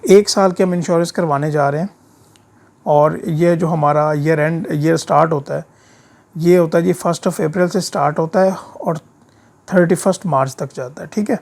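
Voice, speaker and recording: A man with a sore throat giving an informal step-by-step software tutorial, often checking that the learner follows with short tag questions. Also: fairly high pitch, moderate pace, vocal fry. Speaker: instructor of an accounting software course. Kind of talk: screen-share tutorial, informal explaining. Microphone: voice-over of a screen recording.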